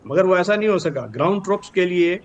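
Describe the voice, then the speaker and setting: Higher-pitched Pakistani man analysing news, noisy line. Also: expressive, fast. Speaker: retired brigadier, news analyst. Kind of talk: formal news analysis in Urdu mixed with English terms. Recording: clearly noisy with background ambience.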